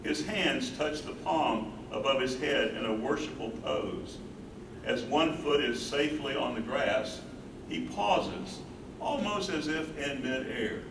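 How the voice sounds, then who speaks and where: A man's voice: medium pitch, lively intonation, takes it slowly. A man playing an earnest, smitten young college student in a staged play reading. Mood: reverent storytelling. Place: indoor venue at a live staged reading. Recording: roomy, distant stage recording with clear noise.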